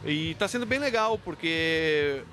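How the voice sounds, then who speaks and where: Higher-voiced man explaining, crowd behind. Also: animated, unhurried. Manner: didactic, with rhetorical questions and frequent self-checks. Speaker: university professor interviewed about his book. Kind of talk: spontaneous interview, explanatory.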